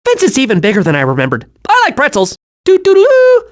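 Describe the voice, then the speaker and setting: Super high squeaky hyper squirrel for a cartoon game, really bouncy pitch, happy and childlike. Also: male voice, fairly quick, exaggerated voice. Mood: excited. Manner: excitable, wide-eyed, naively cheerful. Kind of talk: animated video game voice acting.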